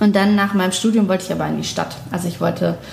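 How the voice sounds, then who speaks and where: A woman talks very fast in a room with audible echo and noticeable background noise. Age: 30s. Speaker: forest bathing guide. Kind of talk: interview. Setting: in person, sitting together.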